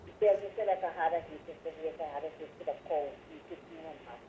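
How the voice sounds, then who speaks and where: A woman calling in over the phone to a radio health show, speaking in a halting way with broken phrasing. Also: sits low. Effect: heard over the phone. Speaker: caller. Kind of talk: call-in radio health question. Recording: tinny phone line with faint noise.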